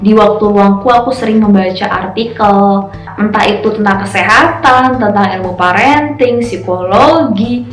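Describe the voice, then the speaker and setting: A woman's voice: mid-range voice, normal speed. Earnest young mother, roomy sound. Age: 20s. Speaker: teacher and mother. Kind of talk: interview testimonial. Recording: roomy sound with soft music.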